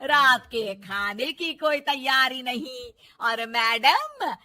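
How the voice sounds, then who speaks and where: Woman playing a scolding cartoon mother-in-law, high voice, slow deliberate pace, sharp tongue. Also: expressive, exaggerated voice. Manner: scolding, taunting. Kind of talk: cartoon voice acting.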